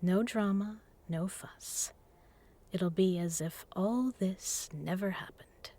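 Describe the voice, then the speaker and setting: Slow, whispery seductive vampire woman, acted out by a woman. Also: mid-range voice, dark tone. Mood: coaxing, threatening. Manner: teasing, purring, deliberate, often dropping to a whisper. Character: seductive, menacing female vampire predator toying with prey. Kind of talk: intimate hypnotic audio roleplay, slow and breathy.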